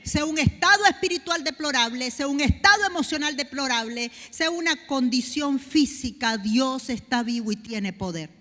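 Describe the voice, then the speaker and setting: A woman pastor preaching a sermon, building to loud, fervent declarations. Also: sits high, lively intonation, moderate pace, hardly any pauses. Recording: long hall reverb.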